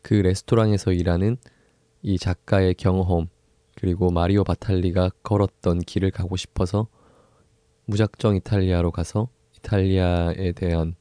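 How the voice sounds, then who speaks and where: A young man with a low, deeply mellow voice hosts a solo book podcast. He talks in an unhurried, soft-spoken way, pausing often and laughing lightly now and then. The sound is close and completely dry. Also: little pitch movement, no echo. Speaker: podcast host.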